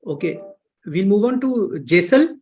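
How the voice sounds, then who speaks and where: A male moderator runs the queue on a conference call. His voice is high for a man, and his delivery is informal. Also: expressive, unhurried, a little mellow.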